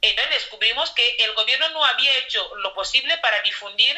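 At a moderate pace, a woman talks with lively intonation in an unremarkable speaking voice. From Equatorial Guinea. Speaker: writer and human rights activist. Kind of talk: interview.

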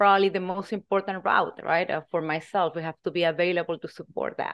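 A woman's fairly quick, medium-pitched voice with monotone, flat intonation. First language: not English. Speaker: systems engineer with PhD. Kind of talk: casual interview.

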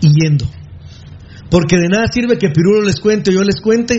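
A man speaks with a high pitch and ordinary pitch variation at a moderate pace. Noticeable background noise is present. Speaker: sports radio co-host. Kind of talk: radio talk show.

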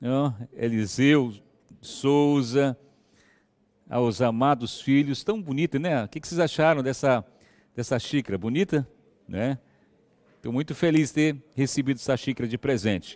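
Over a silent background in a very clean recording, a man speaks at a medium pitch with ordinary pitch variation. He goes at a fairly slow pace, with long, frequent pauses. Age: 50s. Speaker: pastor. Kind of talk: sermon. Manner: halting.

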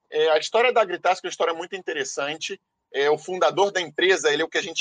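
Heard dry and close with no echo, a man speaks with a Rio de Janeiro accent. His tone is bright and sharp, with ordinary pitch variation. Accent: carioca (Rio). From Brazil, Rio de Janeiro. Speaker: agritech business executive. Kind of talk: interview.

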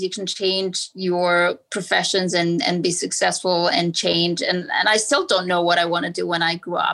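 A woman's voice has a bright, sharp tone at a medium pitch. She speaks at a fairly slow pace. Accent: Romanian. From Romania. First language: Romanian. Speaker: real estate agent. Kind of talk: casual interview.

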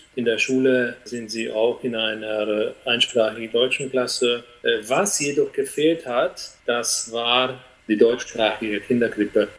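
A man talks at a very slow pace, his medium-pitched voice holding fairly even intonation. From Hungary, German-speaking village in southern Hungary. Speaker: teacher. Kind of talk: interview.

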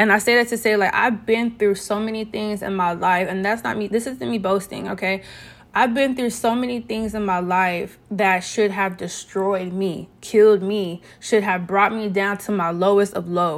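A normal speaking voice comes from a woman at medium pitch. She uses ordinary pitch variation and a moderate pace. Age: 20s. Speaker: podcast host. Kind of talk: casual monologue. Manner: casual, filler-heavy.

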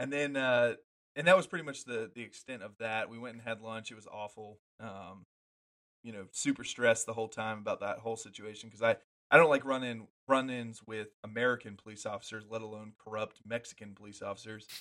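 Speaking at a fairly quick pace, a man has a bright, sharp tone, medium pitch and fairly even intonation. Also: big swings in loudness, quiet background. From US East Coast. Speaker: podcast co-host, military veteran. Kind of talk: casual chat. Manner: hesitant, many fillers.

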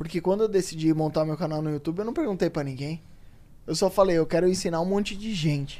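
Very fast and high-pitched, a man talks with ordinary pitch variation. His tone is dark and mellow, and the recording is very clean with a silent background. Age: 30s. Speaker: finance YouTuber. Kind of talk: casual chat.

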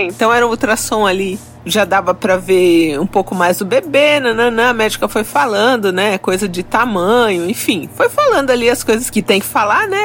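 Noticeable background noise sits behind the recording. Over it, a woman talks at a fairly high pitch. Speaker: podcast host and storyteller. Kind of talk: sponsored ad read; storytelling. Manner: animated.

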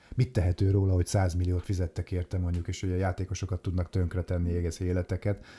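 A man's very deep, dark and mellow voice, somewhat breathy and flat in monotone, racing at a very fast pace with hardly any pauses, in a dry, close sound with no echo. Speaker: sports podcast co-host. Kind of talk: casual chat.

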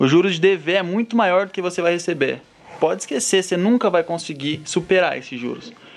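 Here a man talks at a fairly quick pace. His voice is high, with ordinary pitch variation. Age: 20s. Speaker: business student and salesman. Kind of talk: casual chat. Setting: studio.

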